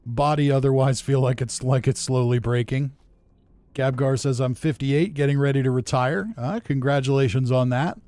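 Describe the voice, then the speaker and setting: A man's voice: mid-range voice, steady tone, normal speed, mellow, no echo. A man of forty chatting casually and good-humouredly as a game streamer, reading out viewer comments as he plays. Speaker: game livestreamer. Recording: game noise and gunfire behind voice. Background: video game sounds, gunfire.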